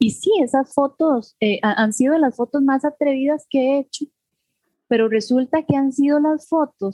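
This woman has a dark, mellow tone and speaks at a fairly slow pace. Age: 30s. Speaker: beauty pageant director and women's advocate. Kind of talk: casual interview.

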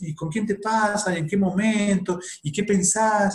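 A man with an Argentine accent, high-pitched and fairly slow, his intonation fairly even. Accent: Argentine Spanish (voseo). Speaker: psychologist. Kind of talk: interview.

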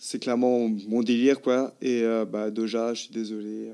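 Here a man is speaking. His pitch is medium. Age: 20s. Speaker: art director. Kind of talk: casual chat. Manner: hesitant.

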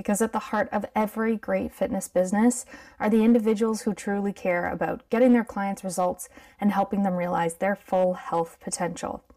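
A woman with an unremarkable speaking voice, medium pitch, ordinary pitch variation and a moderate pace. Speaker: podcast host and marketing director. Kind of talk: casual interview.

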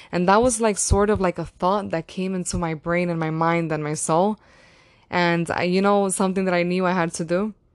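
At a moderate pace and fairly low pitch, a woman with an ordinary speaking voice talks with fairly even intonation over a quiet background. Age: 20s. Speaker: podcast host, aspiring teacher. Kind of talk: casual solo monologue.

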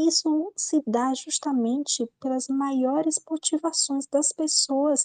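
A woman speaks in a high pitch with a dark, mellow tone. Her intonation is fairly even, and the sound is dry and close with no echo. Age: 20s. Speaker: language learner. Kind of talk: prepared monologue.

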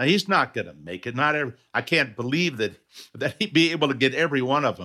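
With a bright, sharp tone, a man speaks using lively intonation. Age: 70s. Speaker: financial educator and author. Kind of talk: interview.

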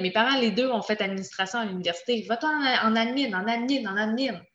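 At a fairly quick pace, a woman speaks high-pitched with a bright, sharp tone and lively intonation. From Quebec. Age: 20s. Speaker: human relations coach, entrepreneur. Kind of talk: podcast interview.

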